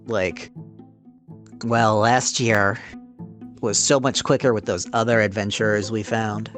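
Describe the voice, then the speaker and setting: A slow-speaking game player with an average pitch thinks aloud in casual, halting chat. Music plays clearly behind the voice. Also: fairly even intonation. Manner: hesitant, puzzling things out.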